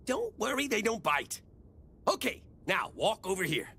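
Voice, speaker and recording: An eccentric veteran sound effects artist. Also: female voice, medium pitch, big pitch swings, unhurried, fairly bright tone, husky, full character voice. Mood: playful, bossy. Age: middle-aged. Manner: bossy, playful, enthusiastic. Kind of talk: anime dub acting. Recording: music playing under the voice.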